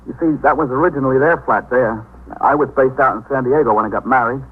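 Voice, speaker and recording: An actor playing an earnest young sailor who stammers and hesitates, with a husky voice, in 1950s radio drama style. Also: male voice, mid-range voice, fast talker, close to an everyday voice. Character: anxious young male sailor, eager and earnest. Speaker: sailor looking for his family. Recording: tinny 1950s radio recording.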